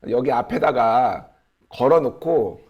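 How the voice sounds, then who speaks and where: A male talk show host with a very animated, widely swinging pitch. He talks casually and chattily, with a teasing, joking streak as he moves the conversation along. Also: slow, husky, highs cut off. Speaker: host of a current affairs show.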